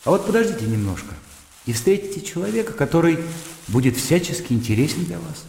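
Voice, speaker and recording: A man playing a polite, slightly condescending gentleman suitor in a radio play. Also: on the high side, very animated, fairly quick, vocal fry. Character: courteous, worldly gentleman suitor, slightly patronizing. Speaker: gentleman Polkanov. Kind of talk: radio drama acting. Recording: roomy reverb with faint hiss.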